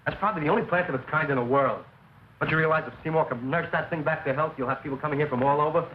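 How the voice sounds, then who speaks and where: Brief: man as fast-talking deadpan customer, muffled film with loud hiss. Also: on the high side, natural voice. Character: odd flower-eating regular customer. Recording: dull old film soundtrack with hiss.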